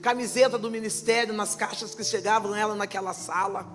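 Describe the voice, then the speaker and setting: A woman pastor preaching a sermon with passion, often swelling into shouts. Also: mid-range voice, steady tone, fairly quick, faint music behind.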